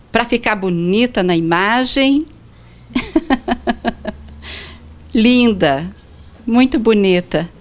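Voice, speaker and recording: This is a woman host with a voice in the middle of the usual range, running a children's fashion show indoors. She talks cheerfully and sweetly to coax the kids into posing. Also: medium pitch. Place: indoor atelier.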